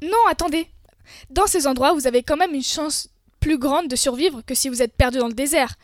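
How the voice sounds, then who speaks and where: High-voiced young woman co-hosting. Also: moderate pace, no room sound, clean studio sound. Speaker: co-host. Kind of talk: scripted debate show.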